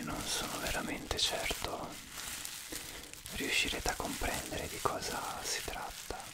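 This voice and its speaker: A soft-spoken man's whisper at a very slow pace, over loud background noise. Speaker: ASMR creator. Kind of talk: soft ASMR narration. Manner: soft Italian ASMR whisper, close mic. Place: home room. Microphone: studio mic.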